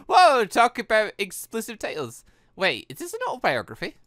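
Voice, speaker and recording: A man's voice: high voice, wildly swooping pitch, moderate pace, a bit bright, dry recording, studio quality. A man giving casual, rambling commentary over a game playthrough, reading dialogue and reacting with stammering asides. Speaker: gaming video host.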